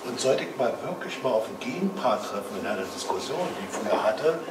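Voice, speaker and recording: An older man from Berlin talks emphatically in a plain, everyday way. He is picked up from a distance in an echoey room. Steady background noise runs under his voice. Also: medium pitch, fast. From Berlin, Germany. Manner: emphatic, colloquial. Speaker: audience member. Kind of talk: opinionated audience comment. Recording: echoey room, voice from far off, noisy.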